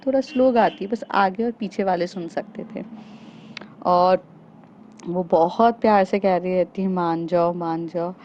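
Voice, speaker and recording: Woman storyteller, chatty and unhurried, mellow tone, lo-fi sound. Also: mid-range voice, slight background noise. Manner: chatty, with fillers, addresses listeners as friends. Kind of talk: casual spoken storytelling. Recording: dull lo-fi recording.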